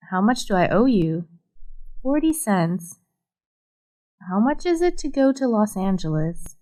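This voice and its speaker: A woman reading short English practice questions and answers as a scripted lesson, voicing both sides in a deliberate, even way. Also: mid-range voice, rough recording.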